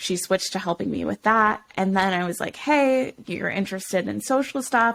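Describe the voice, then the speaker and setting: A woman speaks in an unremarkable speaking voice at a medium pitch. Her pace is moderate. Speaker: podcast guest, wellness business founder. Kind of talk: casual interview chat.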